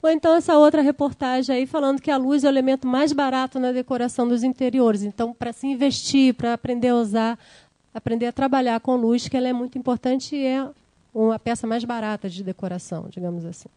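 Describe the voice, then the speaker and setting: A woman's voice: high-pitched, fairly even intonation, fast, warm tone, dry recording. A woman giving an academic lecture, explaining slides and checking in with the audience. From Brazil. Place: lecture room.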